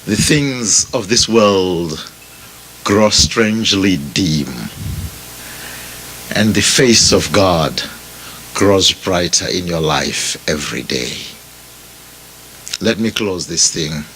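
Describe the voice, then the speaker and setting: A man with a Zimbabwean accent preaching a sermon as a pastor, speaking deliberately and repeating phrases for emphasis as he addresses his listeners directly. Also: deep voice, animated, a bit bright, a little hiss or hum, poor audio. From Bulawayo, Zimbabwe. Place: funeral service before a congregation.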